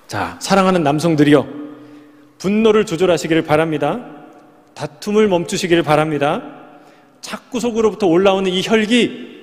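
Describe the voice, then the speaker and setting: A man's voice: on the high side, a little mellow. A male pastor preaching a Sunday sermon, talking conversationally and putting rhetorical questions to his congregation. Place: church sanctuary. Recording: reverberant church hall.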